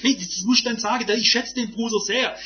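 A man preaches in a high voice. He fires off rhetorical questions and shifts between forceful outbursts and quiet asides. The recording sounds dull and lo-fi. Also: steady tone, fast talker. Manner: emphatic, rhetorical questions, swings from loud to hushed. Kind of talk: sermon.

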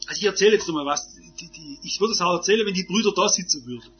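High-voiced emphatic man preaching a sermon. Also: rapid-fire, faint music behind. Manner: emphatic, rhetorical questions, swings from loud to hushed. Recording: dull lo-fi recording.

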